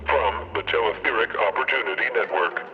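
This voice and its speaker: An actor playing a serious radio news announcer in an audio drama, reading a bulletin with formal, clipped delivery. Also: male voice, lowish voice, a little fast, muffled recording, lightly acted. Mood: formal, grave. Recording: band-limited radio broadcast over music.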